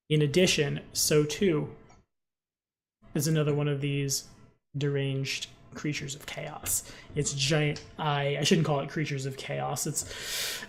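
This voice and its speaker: A man acting as game master, improvising descriptions in an informal, halting way. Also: on the high side, creaky. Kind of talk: improvised tabletop game narration.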